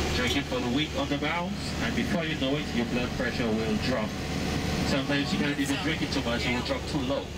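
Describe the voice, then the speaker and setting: Loud background noise surrounds the recording. A man speaks at a very fast pace. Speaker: bus driver or tour guide. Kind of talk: casual tour commentary. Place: bus.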